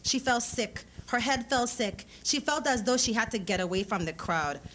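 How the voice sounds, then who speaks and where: A woman's voice: on the high side, lively intonation, moderate pace, fairly bright tone. A woman reading literary fiction aloud dramatically at a live event. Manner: acts out dialogue in character voices. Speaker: author reading a story. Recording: clearly noisy live event recording.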